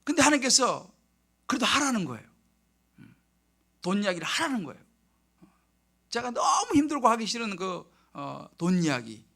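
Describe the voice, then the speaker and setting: Male pastor, high bright voice, gravelly edge, animated storytelling sermon. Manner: animated storytelling, acts out prayers in hushed tones. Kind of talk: sermon with personal testimony. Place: church sanctuary.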